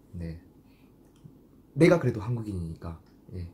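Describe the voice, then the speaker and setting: In a Gyeongsang accent, a man talks with a very deep, low pitch and a dark, mellow tone that is somewhat breathy. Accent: Gyeongsang dialect Korean. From South Korea, Ulsan (Gyeongsang). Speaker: husband in Korean-Japanese couple vlog. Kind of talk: casual chat, Q&A.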